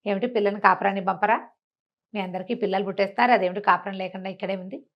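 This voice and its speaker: A woman's voice: mid-range voice, steady tone, quick pace, highs cut off. A woman storyteller telling a folk tale in a chatty, colloquial, conversational way, acting out the characters' remarks. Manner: chatty, colloquial, acts out villagers' quoted remarks.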